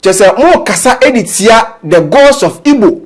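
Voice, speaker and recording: High, lively male presenter. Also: measured pace. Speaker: gossip news presenter. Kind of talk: news commentary mixing Twi and English.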